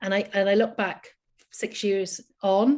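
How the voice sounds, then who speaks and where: In an Irish accent, this woman talks at a moderate pace. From Ireland. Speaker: healthcare worker and coach. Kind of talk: personal testimony. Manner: hesitant, many fillers.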